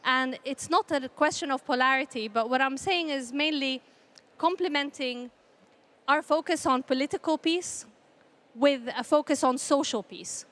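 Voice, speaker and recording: High-voiced woman speaking on a panel. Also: normal speed, fairly bright tone. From Palestinian, grew up in a conflict country. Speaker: panel speaker, peace initiative representative. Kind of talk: formal panel remarks, semi-prepared.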